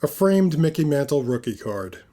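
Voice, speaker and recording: A man's voice: fairly high pitch, sing-song, moderate pace, dark tone, voice pushed up. A man voicing a smug, guarded, wealthy businessman with a clipped, patronizing manner in an audio fiction story. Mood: guarded, terse.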